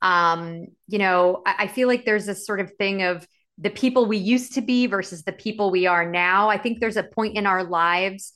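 A woman's voice: mid-range voice, moderate pace, fairly bright tone. Chatty woman in her late thirties. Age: 30s. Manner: chatty, many fillers and restarts. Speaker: podcast host. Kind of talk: casual chat.

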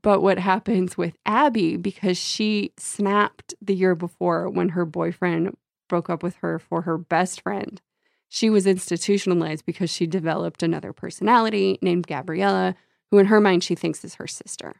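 A woman with a gravelly, husky, tired voice, casually discussing books in blunt, slangy, sweary language. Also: fairly low pitch, fairly even intonation, normal speed, dry recording, clean studio sound. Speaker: book discussion show co-host.

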